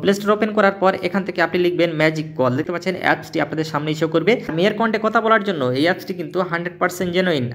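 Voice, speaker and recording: A man voices over a phone tutorial at a very rapid clip. His voice sits a little high for a man. He explains each step emphatically, repeating himself like a keen salesman and dropping in English words. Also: a bit bright. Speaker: tech tutorial YouTuber. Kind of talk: tutorial voice-over for a screen recording.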